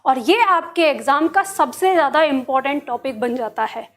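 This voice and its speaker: A woman's voice: sits high, expressive, normal speed. An Indian woman teaching a lesson in a patient, step-by-step way, often checking that her students follow. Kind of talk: classroom lesson.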